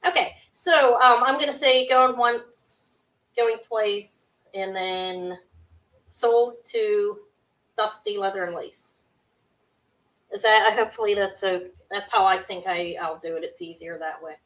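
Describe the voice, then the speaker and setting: Sharp-voiced woman auctioning jewelry. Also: poor audio. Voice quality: sharp, high-pitched voice. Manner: quick, scattered, chatty with frequent ums and restarts. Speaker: live jewelry auction host. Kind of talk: casual live-stream selling. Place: small home room with shelves of jewelry displays.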